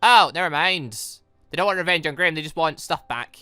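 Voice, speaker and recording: Animated, bright-voiced man reacting to a game. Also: fairly high pitch, a little fast, smooth, dry recording, faint music behind. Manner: excitable, rambling reactions. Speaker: gaming video host reading a visual novel aloud. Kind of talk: casual playthrough commentary with dialogue read aloud.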